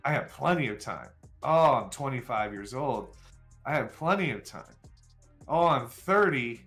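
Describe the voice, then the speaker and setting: A man's voice: medium pitch, animated, unhurried, a bit bright, faint music behind. A man in his forties chatting candidly with viewers on a live stream, rambling and self-deprecating, with plenty of fillers. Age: 40s. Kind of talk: casual chat with viewers.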